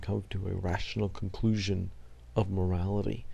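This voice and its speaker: At a moderate pace, a man speaks in a fairly low, somewhat breathy voice with a dark, mellow tone. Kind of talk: casual talk to camera. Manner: rambling, hesitant.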